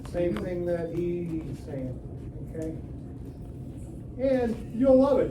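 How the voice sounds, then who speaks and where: A man at a very slow pace, with long, frequent pauses, audible room echo and noticeable background noise. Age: 70s. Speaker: aircraft mechanic. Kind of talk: casual advice to visitors. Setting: aircraft hangar.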